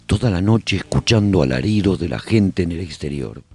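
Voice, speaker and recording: A man's voice: sits low, expressive, normal speed, breathy edge, faint music behind, heavily acted. A man playing a haunted, reflective survivor who chronicles the apocalypse in theatrical, emphatic first-person radio-serial narration. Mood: haunted remembering.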